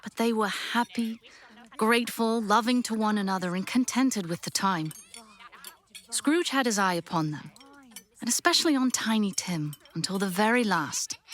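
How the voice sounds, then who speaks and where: A woman narrating a classic story for an audio drama in an expressive, measured storybook style. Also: medium pitch, slight background noise, natural voice.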